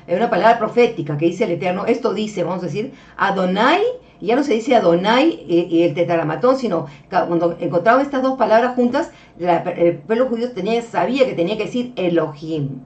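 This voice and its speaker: A woman's voice: medium pitch, a little mellow. Woman teaching from a distant, dull mic. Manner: explanatory, frequent checks with "ok?" and "este" fillers; addresses listeners as beloved brethren. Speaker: religious teacher. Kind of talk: online lecture with slides.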